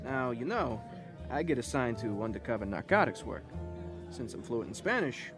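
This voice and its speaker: An actor playing a cocky, chatty undercover cop in an audio drama, telling stories in a breezy, boastful way. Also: male voice, mid-range voice, sing-song, normal speed, music in the background, lightly acted. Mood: storytelling.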